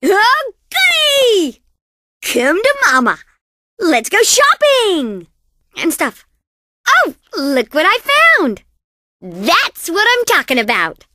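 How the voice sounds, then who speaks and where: Coco Bandicoot, very high, sassy cartoon girl. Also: huge pitch swings, slow pace, long pauses, pushed and bright, no room sound, clean studio sound, heavily acted. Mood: delighted. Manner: sassy, boastful, cartoonishly exaggerated delivery. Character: perky, cocky young female bandicoot racer. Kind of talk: video game character voice lines.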